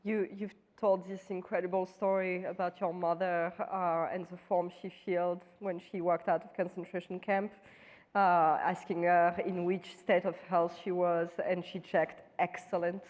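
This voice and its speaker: A woman's voice: fairly low pitch, level tone, normal speed, darkish tone. A woman interviewing a guest on stage, asking appreciative questions. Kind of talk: onstage conversation. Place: large conference hall. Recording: long hall reverb.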